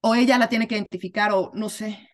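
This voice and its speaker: A woman's voice: medium pitch, steady tone, brisk. A woman taking part in a coaching class, asking hesitant questions about how to help a client. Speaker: coaching student. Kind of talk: class discussion.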